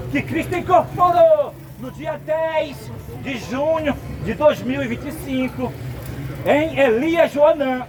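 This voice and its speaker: A man from Brazil giving an open-air sermon, slow and emphatic, sometimes breaking into shouts. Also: very high voice, rough recording. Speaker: street preacher.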